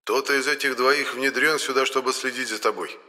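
A man voicing a flighty male spirit who talks in an excited, warning tone. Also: mid-range voice, brisk, long reverb tail, pitched above the performer's own voice. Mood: conspiratorial.

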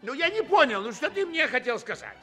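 A pompous, bragging captain of the palace guard from a comic radio play. His voice is high, very bright and swoops widely as he fumbles grand words, on a 1960s Soviet recording. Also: very animated, brisk, faint music behind, exaggerated voice. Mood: deadpan boasting. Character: boastful male clownish chief of the palace guard. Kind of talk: theatrical comic stage dialogue.

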